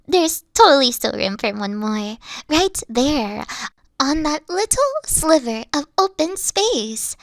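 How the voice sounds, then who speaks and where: A woman playing a dorky, boastful evil queen in a comedic, intimate roleplay monologue, theatrical and petulant but awkward and secretly soft. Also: high-pitched, sing-song, slow pace, no room sound, clean studio sound, heavily acted. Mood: bossy. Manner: theatrical boasting that slips into awkward, flustered stammering.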